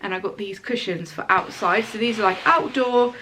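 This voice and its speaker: A woman with a stuffy, congested voice talks in a bubbly, gushing way. Her pitch sits in the middle, and she fills the talk with chatty asides. A faint hiss lies behind her as she sits on her bedroom floor. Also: moderate pace, sharp tone, rough recording. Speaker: home and lifestyle vlogger. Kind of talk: casual chatty haul video.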